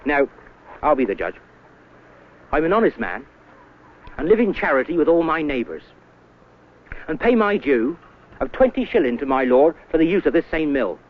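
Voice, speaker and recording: An actor playing a boastful medieval English miller who blusters defensively about his honesty in archaic speech, on an old film soundtrack. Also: on the high side. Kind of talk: educational film historical acting. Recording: tinny, band-limited old 16mm film soundtrack.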